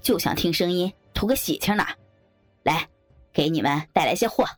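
A woman doing a crude, bullying young groom who swaggers and swears, talking in a lowered, husky voice. He sounds coarse and threatening, and the huskiness gives his voice a rough grain. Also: animated, normal speed, no echo, soft background music. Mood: menacing.

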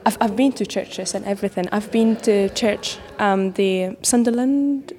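A woman's voice: medium pitch, unhurried, a little mellow. A young woman from Syria co-hosting a student podcast, chatting casually and searching for words with many fillers. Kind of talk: casual chat while exploring.

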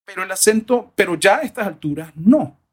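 A man answering interview questions on diction and accents in a lively, rambling way. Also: high voice, fairly quick, slightly rough. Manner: animated, discursive, frequent "o sea" asides. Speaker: guest, voice and diction expert. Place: lives in the United States.

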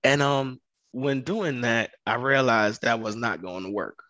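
A man's voice: medium pitch, a little slow, a bit bright, no room sound, lo-fi sound. A man from Ghana talking as a podcast guest, telling his story in an earnest, conversational way and repeating phrases for emphasis. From Ghana, West Africa. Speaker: podcast guest, construction business owner.

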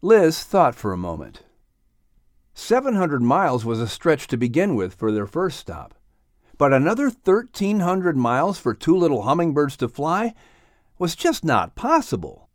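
A man narrating a children's animal story as an audiobook reader, in an expressive scripted storytelling style. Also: fairly high pitch, measured pace, dry recording, clean studio sound.

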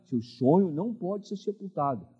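A man's voice: high voice, moderate pace, husky, lo-fi sound. An older man, preaching a sermon as pastor and often asking the congregation for an amen. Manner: animated preaching with frequent call-and-response questions to the congregation.

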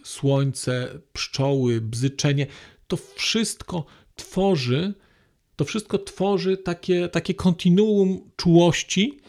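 An enthusiastic man speaks with a slightly high, gravelly voice about a novel he loves. He pauses now and then with hesitant fillers before reading passages aloud. His talk is warm and searching. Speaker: book reviewer.

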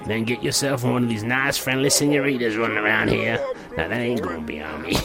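An actor playing a gruff, dismissive sheriff in a western audio drama, with condescending, folksy put-downs. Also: male voice, mid-range voice. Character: gruff, dismissive Old West sheriff, poker-playing and sarcastic. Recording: music behind the voice.

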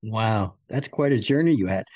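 A man hosting an interview, asking friendly, halting questions. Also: on the low side, lively intonation, darkish tone, dry recording. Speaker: interview host. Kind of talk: interview, conversational.

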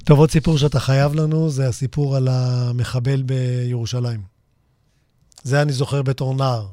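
A man's voice: mid-range voice, flat delivery, warm tone, no room sound, clean studio sound. A man hosting an interview, guiding his guest with short prompts and asking for particular stories. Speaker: radio show host.

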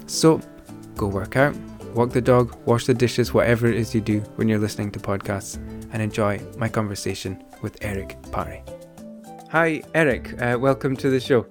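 A fairly low-voiced man hosts a podcast in a chatty, rambling way, full of ums and false starts. A soft music bed sits under his voice. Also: moderate pace. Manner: chatty, many ums and restarts. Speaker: podcast host. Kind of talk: podcast interview and sponsor read.

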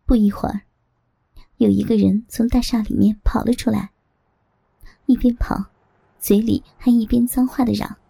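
Husky-voiced woman narrating an audiobook. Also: fairly high pitch, moderate pace, long pauses, dry recording. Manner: steady first-person storytelling.

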